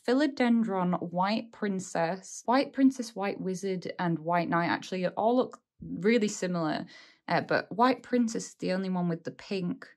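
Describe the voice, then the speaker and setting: Brief: young woman, slightly croaky, casual chatty tour voice, a touch low-pitched. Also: moderate pace, a little mellow. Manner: chatty, with frequent "uh" and "like". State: slightly hoarse. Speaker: houseplant vlogger. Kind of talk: casual plant tour walkthrough.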